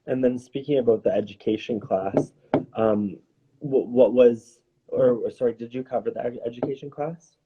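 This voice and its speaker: A man's voice: mid-range voice, normal speed, husky. A man hosting a conversational live question-and-answer interview, encouraging and often rephrasing his questions. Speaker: host interviewer. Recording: dull lo-fi, faint noise.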